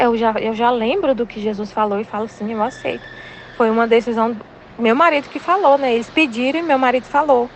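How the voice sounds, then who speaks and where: A woman's voice: fairly high pitch, slight background noise. A woman in her thirties with a Brazilian Portuguese accent, leading a Catholic study and candidly sharing a personal faith testimony in casual spiritual reflection. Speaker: Catholic study group leader.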